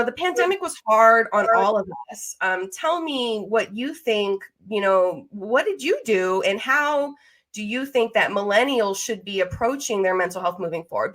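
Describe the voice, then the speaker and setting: A woman's voice: medium pitch, a bit bright. A woman, around her thirties, hosting a casual conversational interview in a chatty, informal way. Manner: chatty and informal, with mild swearing. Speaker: podcast host interviewing a guest.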